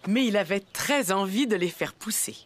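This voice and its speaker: A woman playing a kindly narrator who reads a children's story in gentle, clearly phrased storytelling. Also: medium pitch, animated, moderate pace, close to an everyday voice. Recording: music behind the voice.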